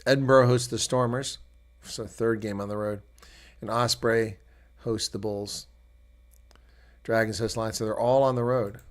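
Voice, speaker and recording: A man's voice: lowish voice, little pitch movement, unhurried, pauses often. American man calling rugby live. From United States. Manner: chatty, talks to viewers while calling play. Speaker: live reaction commentator. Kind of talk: solo live rugby commentary.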